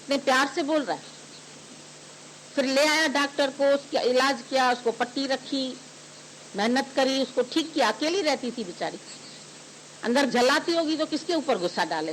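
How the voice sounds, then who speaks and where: A man's voice: extremely high pitch, fairly bright tone, slight background noise, low-quality recording. A male spiritual teacher gives a devotional sermon, telling homely stories and chiding listeners with rhetorical questions.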